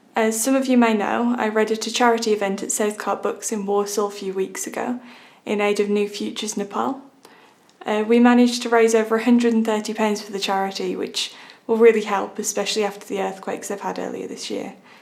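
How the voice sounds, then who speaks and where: A woman's fairly high voice moves at a very fast pace in a monotone, flat intonation. Noticeable background noise sits behind her. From West Midlands. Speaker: author. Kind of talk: casual talk to camera.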